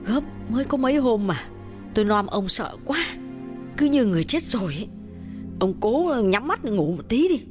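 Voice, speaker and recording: A man voicing a sleepy, nagging middle-aged wife who scolds her husband in a quick, exasperated way. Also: high voice, sing-song, over music, pitched above the performer's own voice. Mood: coaxing. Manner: scolding, chiding, rapid exasperated.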